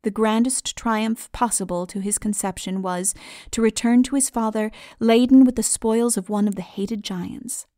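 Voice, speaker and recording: A woman narrates a classic fantasy tale in a high voice. Her delivery is measured and formal, as dramatic audiobook storytelling. The sound is very dry, with no room around it. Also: steady tone, mellow, no echo.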